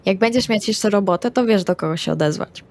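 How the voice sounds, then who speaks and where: A woman playing an impulsive, stubborn and childishly eager female vampire in a tabletop game, insistent and excitable. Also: mid-range voice, a little fast, pitched below the performer's own voice, close to an everyday voice. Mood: businesslike.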